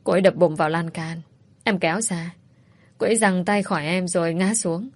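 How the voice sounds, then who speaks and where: A woman's voice: lowish voice, brisk, lightly acted. A woman voicing an indignant young single mother who speaks firmly. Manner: firm, indignant.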